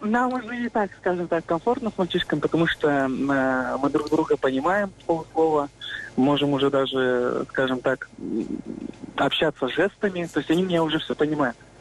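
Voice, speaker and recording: A man speaks at a moderate pace with lively intonation. The sound is dry and close with no echo, though noticeable background noise is present. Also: fairly high pitch for a man. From Udmurtia, Russia (rural village). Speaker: primary school teacher. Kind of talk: radio interview.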